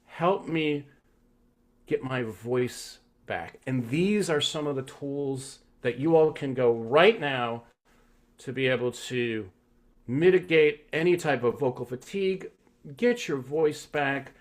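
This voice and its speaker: A man's voice: mid-range voice, slow. A man teaching vocal health in a live online masterclass, coaching with frequent "right?" check-ins.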